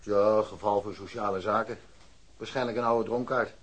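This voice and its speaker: An actor playing a blunt, dismissive police detective in a radio drama, offhand and colloquial. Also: male voice, fairly low pitch, fairly even intonation, normal speed, lightly acted. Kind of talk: Dutch radio drama acting.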